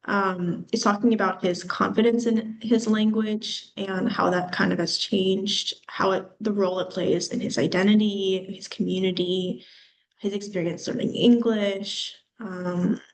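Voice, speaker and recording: A woman's voice: mid-range voice, fairly even intonation, measured pace, low-quality recording. A woman giving a presentation in a casual, explanatory way, often using fillers like "um" and "like". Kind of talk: conference presentation.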